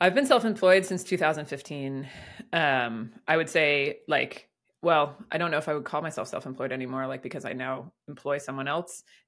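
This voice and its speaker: Speech comes at a moderate pace in a very clean recording with a silent background. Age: 30s. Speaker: facilitator and trainer. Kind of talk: interview.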